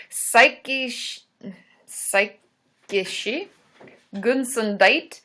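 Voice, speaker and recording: A woman's voice: fairly high pitch, very slow, sharp tone. A woman therapist hosting a live Q&A stream, chatting casually, laughing often and poking fun at herself.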